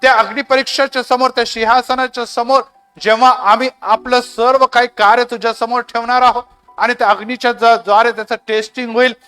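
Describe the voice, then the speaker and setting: Male pastor, fervent sermon, bright ringing tone, smooth clear voice, faint music behind. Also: very high-pitched, little pitch movement, a little fast. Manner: fervent preaching with repeated exclamations. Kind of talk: sermon and closing prayer. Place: church gathering.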